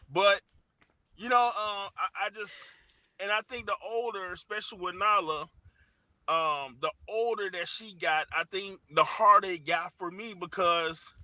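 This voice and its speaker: A man in his forties, a father speaking as an interview guest, earnest and searching, often pausing on "you know" and restarting his sentences. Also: high-pitched, pushed and bright, dry recording. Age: 40s. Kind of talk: reflective conversational interview.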